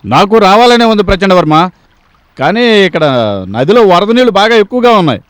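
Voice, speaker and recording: An actor playing a calm, matter-of-fact minister speaking on the phone, in a 1980s film drama. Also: male voice, high voice, brisk, dry recording.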